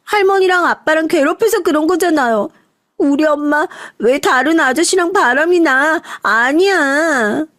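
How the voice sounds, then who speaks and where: Woman voicing a high-pitched pleading little girl. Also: animated, a little slow, a bit bright, dry recording, clean studio sound. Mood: tearful protest. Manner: pleading, crying out. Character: frightened, pleading eleven-year-old girl defending her mother. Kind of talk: audio story drama.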